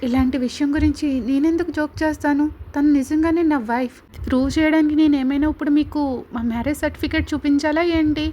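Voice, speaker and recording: A possessive young husband, read by a woman, talks in a sharp, confrontational way. His voice sits high, and his sarcasm cuts through. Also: fairly even intonation, fast, a little hiss or hum, close to an everyday voice. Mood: taunting.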